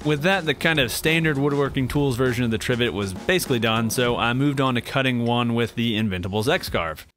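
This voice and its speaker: A man's voice: medium pitch, fairly bright tone. A man in his thirties, host of a woodworking channel, plainly explaining each step of a build in voice-over. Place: home woodworking shop.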